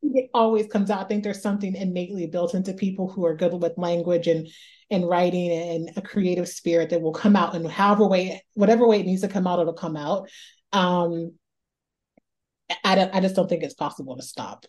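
A woman's voice: lowish voice, steady tone, fairly quick, darkish tone. A woman from Northeast Ohio, an author talking through her writing life in a reflective interview, often repeating words as she thinks aloud. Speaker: author guest.

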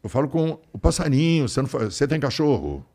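A man from Rio talking as a guest in a casual interview, rambling warmly with many restarts. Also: medium pitch, big pitch swings, fast. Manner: warm, rambling, affectionate storyteller with frequent restarts.

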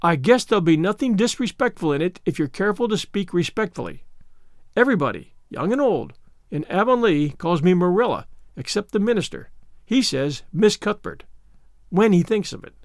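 Man voicing a stern, brisk older spinster woman. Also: high-pitched, sing-song, no room sound, studio quality. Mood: plainspoken. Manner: brisk, disapproving, matter-of-fact. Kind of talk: audiobook character voice.

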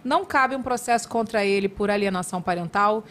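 A woman's voice: medium pitch, brisk, a bit bright. A woman hosting a podcast who asks teasing, playful questions in casual chat. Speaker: podcast host.

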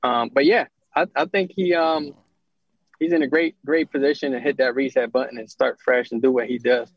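Halting man on a muffled call line. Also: medium pitch, steady tone, no room sound. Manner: halting, many ums and restarts. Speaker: podcast co-host calling in. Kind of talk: casual sports chat.

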